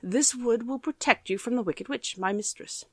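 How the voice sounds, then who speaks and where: A serious black cat gives careful, measured instructions, as a woman reads it aloud. The voice is steady and plain, recorded close and dry. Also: a little high, no room sound, pitched above the performer's own voice, natural voice.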